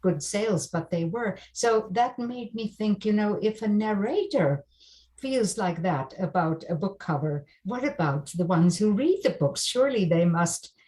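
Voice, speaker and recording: A woman's voice: medium pitch, expressive, a little slow, dark tone, poor audio. A woman from South Africa whose first language is Afrikaans, an audiobook narrator chatting as a guest over a video call, thoughtful with small restarts. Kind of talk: casual video call chat.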